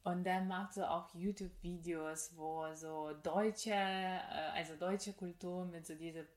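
A woman from Ukraine in her thirties, speaking German on a casual podcast. She reflects slowly and searches for words, in a slightly low voice. The recording has a noticeably echoey room sound. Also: fairly even intonation. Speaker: podcast co-host.

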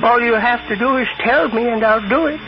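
An actor playing a trusting, yearning old bereaved father with a creaky voice in an old radio drama. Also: very high-pitched, brisk, highs cut off, noisy background.

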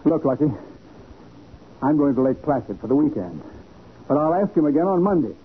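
An actor playing an anxious, evasive gentleman in debt, hesitant and pleading, in 1940s radio style. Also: on the high side, big pitch swings, a little fast. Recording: muffled, hissy 1940s radio recording.

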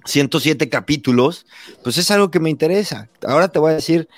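A Mexican man in his thirties, a podcast host telling his story in a relaxed chat, acting out quoted lines with lively voices. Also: a little high, a little fast, dry recording. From Mexico, San Luis Potosí. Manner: animated, acts out quoted dialogue, says güey constantly. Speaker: podcast host being interviewed. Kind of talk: casual conversation.

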